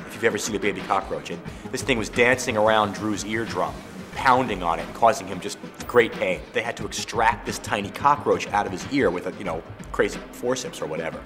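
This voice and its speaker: A game co-creator, a man, telling lively anecdotes in a documentary interview, with many "you know" fillers. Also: lowish voice, a little fast. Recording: reverberant room with music underneath.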